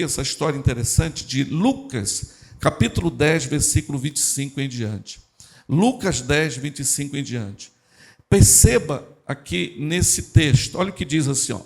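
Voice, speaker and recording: A man's voice: fairly high pitch, vocal fry. A man preaching a sermon in church, talking directly to the congregation. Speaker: pastor.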